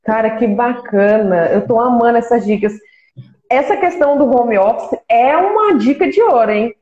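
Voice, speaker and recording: A woman's voice: on the high side, expressive, normal speed, dark tone, dull audio. Chatty Brazilian woman on an echoey call. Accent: Brazilian Portuguese. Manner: enthusiastic, chatty. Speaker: interviewer host. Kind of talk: casual interview chat.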